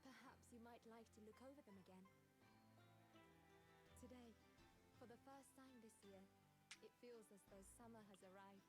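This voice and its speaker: A woman reading a letter aloud in a gentle, measured way. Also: on the high side. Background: music.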